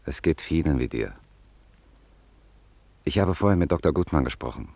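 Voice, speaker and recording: A man playing a calm, loyal French family friend in a German radio drama, speaking in a measured, consoling way. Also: a bass voice, gravelly, no room sound, heavily acted. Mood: gently consoling.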